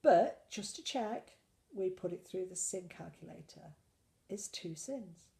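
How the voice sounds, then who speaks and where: A woman's voice: on the low side, animated, unhurried, gravelly, mellow. A woman with a cold chatting in a casual weekly diet vlog, rambling and self-deprecating. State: full of cold. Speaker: slimming vlogger.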